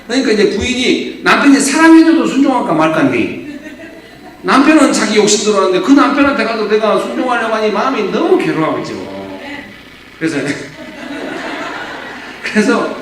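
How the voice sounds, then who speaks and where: Lively-voiced pastor echoing in a church. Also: male voice, sits high, brisk, long pauses. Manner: conversational preaching, acts out quoted dialogue with humor. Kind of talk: sermon. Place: church sanctuary. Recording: echoey church hall from a distant mic, faint room noise.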